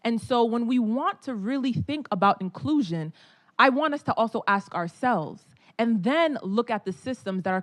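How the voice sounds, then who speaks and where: Emphatic woman speaking on a panel. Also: medium pitch. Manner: emphatic, builds points through repetition. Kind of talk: panel discussion remarks.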